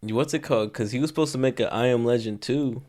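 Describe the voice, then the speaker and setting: A man's voice: mid-range voice, quick pace, darkish tone. A young man co-hosting a podcast, talking in an easygoing, slangy way with casual cursing. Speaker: podcast co-host. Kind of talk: casual chat.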